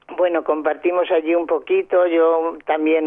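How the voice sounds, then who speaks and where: A woman with a very deep, low voice, at a moderate pace. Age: 70s. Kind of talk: testimony.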